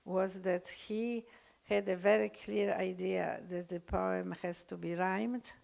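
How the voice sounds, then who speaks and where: An older woman with a Polish accent, lecturing unscripted, halting often with fillers and restarts. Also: on the low side, steady tone, creaky, a little mellow. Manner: hesitant, many fillers and restarts.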